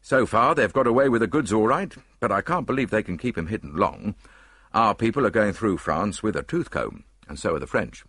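A man's voice: lowish voice, expressive, fairly quick, a bit bright, breathy edge, no room sound, clean studio sound, voice pushed up, full character voice. A man doing a brash police inspector. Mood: cheerful. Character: brash, cheerful Scotland Yard inspector, man.

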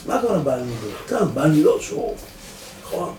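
A man, a rabbi giving a lively Torah lesson to a live audience, asking rhetorical questions and swinging between loud and soft. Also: on the high side. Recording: echoey room, distant mic, faint noise.

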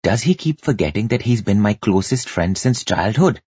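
A man's voice: on the low side, lively intonation, normal speed, a little mellow, husky, no echo, highs cut off. A man voicing a brooding young tribal chief musing inwardly in a fantasy audiobook. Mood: puzzled.

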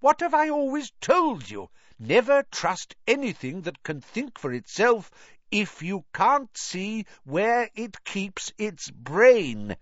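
A man's voice: high-pitched, a bit bright, no echo, muffled recording, voice pushed up, heavily acted. A man voicing a flustered middle-aged father who stammers and scolds. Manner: stammering, exasperated.

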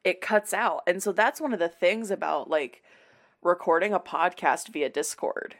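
A woman's voice: fairly low pitch, normal speed. A woman hosting a podcast, telling a rambling story with frequent laughs. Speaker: podcast host. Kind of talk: casual chat.

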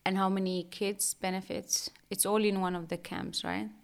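Female interviewer, gravelly low voice, English not her first language, hesitant phrasing. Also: level tone. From Western Sahara refugee camps. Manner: halting, searching for words. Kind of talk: conversational interview.

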